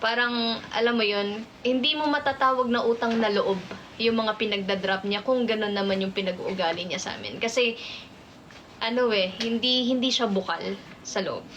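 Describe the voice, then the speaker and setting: A woman speaks at a moderate pace in a shaky, fairly high voice with ordinary pitch variation. Noticeable background noise can be heard. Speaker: livestreamer. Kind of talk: livestream chat telling a story. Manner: shaky voice.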